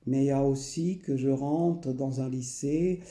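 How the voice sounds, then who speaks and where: A man, recalling his past slowly and hesitantly, often pausing and repeating himself. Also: medium pitch, warm tone, roomy sound. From Portugal. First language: Portuguese. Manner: hesitant, many pauses and repeated phrases. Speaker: memoir narrator. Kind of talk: slow personal recollection.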